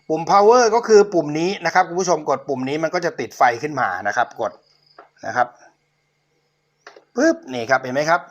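A middle-aged channel host with a slightly high, somewhat bright voice politely shows his viewers an old cassette player he has for sale. It's a casual product demo, and he keeps turning to address the audience.

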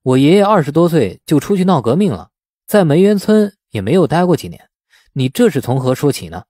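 A man's voice: on the high side, big pitch swings, fairly quick, dark tone, dry recording, clean studio sound. A man voicing a wary young man who questions and reasons, in an audiobook. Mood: questioning. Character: wary young man defending his grandfather's good name. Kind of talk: audiobook character acting.

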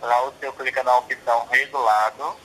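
A man's voice: medium pitch, fairly even intonation, a little fast, a bit bright, slightly rough, poor audio. A man with a Brazilian Portuguese accent, working as a call-center attendant, answers a customer in a polite, scripted, businesslike way, heard through a phone on speakerphone.

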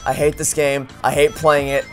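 A man's voice: a little high, little pitch movement, normal speed, a bit bright, faint music behind. A young man giving sarcastic, exasperated commentary while playing a video game, swearing and complaining often. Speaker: let's play host. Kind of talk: profane frustrated gameplay commentary.

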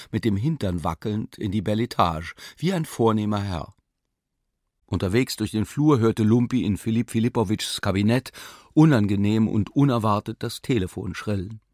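A man reading an audiobook aloud in an expressive storytelling manner. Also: fairly low pitch, no echo, studio quality. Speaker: audiobook narrator.

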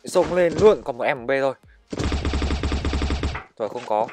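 A man giving live commentary over his own shooter match, excitably calling out enemies and urging his teammates on. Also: mid-range voice, normal speed, over loud music. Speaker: gaming channel host.

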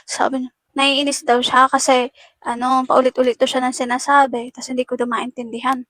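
A woman speaks straight to her viewers about an ordeal in an emotional first-person account, her voice sitting a little high. She talks in uneven bursts and keeps calling them guys. The sound is dry and close, with no room around it. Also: flat delivery, fairly quick, fairly bright tone, no echo. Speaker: netizen recounting an incident.

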